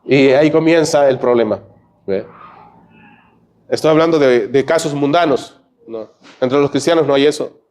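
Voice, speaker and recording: A man with a Peruvian Spanish accent preaching a church sermon, peppering his points with quick "¿ve?" and "¿no?" asides to the congregation. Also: medium pitch, a little mellow. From Peru. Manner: conversational preaching, frequent "¿ve?" and "¿no?" asides. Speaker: pastor. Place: church sanctuary.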